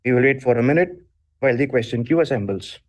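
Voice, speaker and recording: A man's voice: medium pitch, expressive, fast, darkish tone. A man moderating a conference call, formally reading a scripted announcement.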